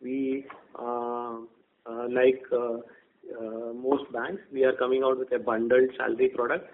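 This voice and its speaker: A man with an Indian accent answering as a bank executive on a conference call, halting and repeating words as he explains in a semi-formal way. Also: mid-range voice, little pitch movement. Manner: halting, hesitant delivery with word repeats. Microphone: telephone conference call. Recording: thin, narrow-band phone conference line.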